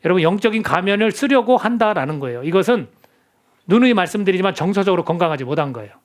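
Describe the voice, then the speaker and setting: Middle-aged guy preaching in church, pretty high voice, earnest, keeps asking the room questions. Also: animated, fast. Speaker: pastor. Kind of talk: sermon. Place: church sanctuary.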